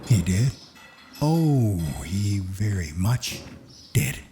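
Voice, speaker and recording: An actor playing a gleefully menacing warden in an audio horror drama, with a theatrical, drawn-out, mocking delivery. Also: male voice, on the low side, expressive, dark tone, a little hiss or hum. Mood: gloating, amused. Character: gleefully menacing male warden of a sinister facility.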